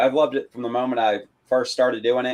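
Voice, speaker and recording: A man talks at a fairly quick pace and medium pitch. He has an unremarkable speaking voice. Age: 30s. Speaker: tabletop game master. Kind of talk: casual chat.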